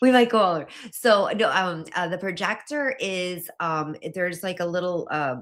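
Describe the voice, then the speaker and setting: A woman talks with an American accent and lively intonation. Noticeable background noise runs under her voice. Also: medium pitch for a woman, moderate pace. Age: 40s. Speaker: YouTube music reaction creator. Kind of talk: casual interview chat.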